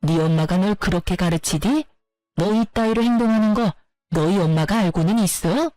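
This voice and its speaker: A woman's voice: medium pitch, normal speed, mellow, dry recording, faint music behind, natural voice. A woman voicing a contemptuous middle-aged mother-in-law who berates and insults her daughter-in-law. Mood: scornful.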